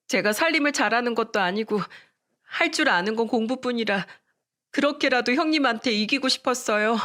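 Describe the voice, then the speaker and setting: A woman's voice: a little high, fairly bright tone, voice pushed up, natural voice. A woman voicing a young sister-in-law who begs and apologizes in a raised, tearful voice. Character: young woman lawyer, sister-in-law, arrogant turned pleading.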